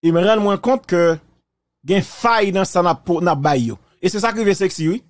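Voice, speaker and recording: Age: adult. Sex: man. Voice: high. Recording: dry. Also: a little fast, no echo.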